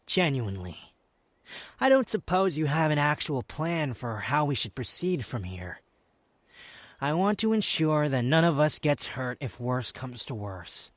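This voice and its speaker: A man's voice: fairly high pitch, very animated, a little slow, no room sound. A man playing a proud, sardonic young wanderer, a guarded yet tender lover, in an intimate romantic ASMR roleplay with a teasing, haughty, dramatic delivery. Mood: guarded, somber.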